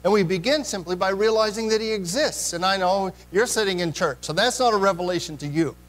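A man's voice: high-pitched, brisk, fairly bright tone, low-quality recording. A man preaching a sermon in a church, earnest, putting direct questions to the congregation. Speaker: pastor.

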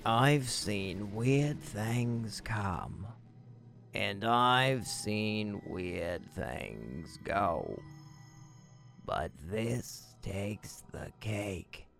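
A man performing a bewildered, world-weary sidekick in an audio drama. His drawling voice is creaky and swings widely in pitch, sounding incredulous. Faint music sits behind him. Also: animated, drawn-out words, a bit bright, heavily acted. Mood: weary disbelief. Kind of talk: audio drama character acting.

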